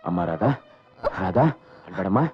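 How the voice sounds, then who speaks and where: A man's voice: low-pitched, moderate pace, lightly acted. An actor playing an aging imprisoned father who tenderly soothes and pleads with his daughter. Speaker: jailed father. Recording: dull lo-fi film soundtrack with faint music.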